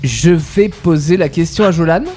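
A man's voice: on the high side, normal speed, a little mellow, soft background music. A man hosting a casual radio quiz, playful, repeating his questions and laughing at himself.

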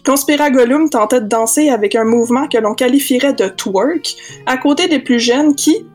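A woman's voice: sits high, moderate pace, darkish tone. A woman reading a comic parody story, playful and theatrical. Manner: playful, theatrical, voices many figures. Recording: with medieval background music.

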